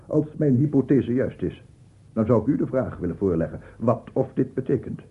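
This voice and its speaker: A man's voice: mid-range voice, expressive, moderate pace, husky. An actor playing an aggrieved, unstable scientist in his sixties, pedantic and insistent, in a radio play monologue. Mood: pedantic, defensive. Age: 60s. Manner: pedantic, insistent, repeats himself. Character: aggrieved, unstable 67-year-old bachelor scientist, self-justifying and obsessive. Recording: muffled, phone-like old radio recording.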